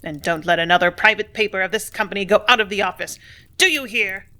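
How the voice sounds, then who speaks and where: Bullying loud factory boss guy, red-faced and snapping, read by a woman. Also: medium pitch, brisk, natural voice. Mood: angry. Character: brusque blustering male factory superintendent.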